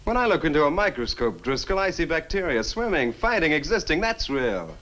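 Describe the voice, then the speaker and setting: An actor playing a skeptical, argumentative scientist in a 1960 horror film, with a brisk, emphatic manner. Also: male voice, on the high side, sing-song, a bit bright. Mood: scornful, argumentative.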